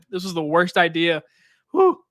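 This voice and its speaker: A man with a scratchy, hoarse throat hosting a casual live stream Q&A from his desk, talking loosely with plenty of likes and restarts into a microphone on a boom arm. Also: a bit bright, no room sound, studio quality. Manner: loose, rambling talk with many likes and restarts. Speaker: movie reviewer and channel host. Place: home desk setup.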